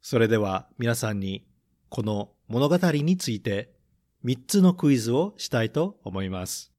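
A man reading a picture book aloud and running a gentle English vocabulary quiz for children, saying each line in English and then in Japanese. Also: medium pitch, sing-song. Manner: slow, careful delivery, repeating each point in English then Japanese. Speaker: storybook reader and English teacher.

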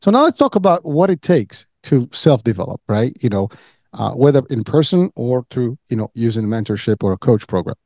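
A man's voice: mid-range voice, sing-song, fairly quick, a little mellow, no room sound. A man from Morocco hosting a podcast, talking earnestly in a loose way, repeating words and saying "you know" a lot. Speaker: podcast host. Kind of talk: casual interview talk.

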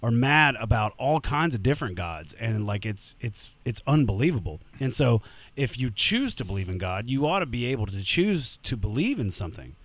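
A man's voice: mid-range voice, very animated, normal speed. A man, a punk musician guest on a podcast, talking bluntly and casually and swearing freely.

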